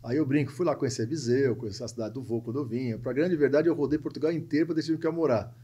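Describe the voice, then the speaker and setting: A Brazilian man in his forties with a São Paulo coastal accent talks as a podcast guest. His voice is mid-pitched, soft-edged and husky. He tells his story conversationally, doubling words for emphasis and tagging phrases for agreement. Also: rapid-fire. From Santos, coastal São Paulo, Brazil. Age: 40s. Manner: emphatic repetitions and frequent tag questions seeking agreement. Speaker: podcast guest, entrepreneur and speaker.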